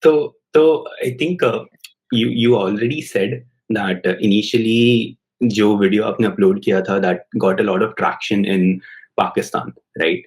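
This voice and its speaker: A young man hosts an interview in an upbeat, eager way, now and then mixing in Hindi. His voice sits fairly low for a man. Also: fairly quick, rough recording. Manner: upbeat, switches between English and Hindi. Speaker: host, YouTube program manager. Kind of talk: interview hosting, casual and enthusiastic.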